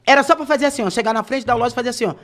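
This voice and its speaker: A woman's voice: fairly high pitch, rapid-fire. A woman, a podcast guest and singer, telling a story casually and acting out the dialogue with slang. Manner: animated storyteller who acts out quoted dialogue, slangy.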